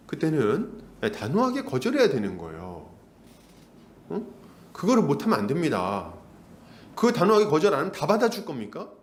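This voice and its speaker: A pastor delivering an expository sermon, acting out quoted complaints in a raised voice. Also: male voice, a little high, a little mellow. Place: church sanctuary. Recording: echoey church hall.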